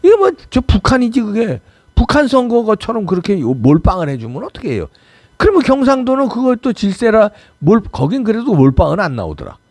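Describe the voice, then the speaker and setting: Brief: middle-aged male commentary host, fiery and pleading, pitch swings wildly, dry close sound. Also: sing-song, a little fast, darkish tone, dry recording. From Seoul, South Korea. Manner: impassioned, pleading and scolding, mocking impressions. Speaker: political commentary channel host. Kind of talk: fiery political commentary monologue.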